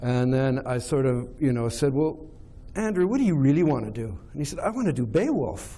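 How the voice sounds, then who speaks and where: A man with a Canadian accent speaks fairly quickly at a medium pitch with lively intonation. The recording has audible room echo and noticeable background noise. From Canada, immigrant from Iceland at age six. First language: Icelandic. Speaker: film director. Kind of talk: lecture. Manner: halting, many fillers.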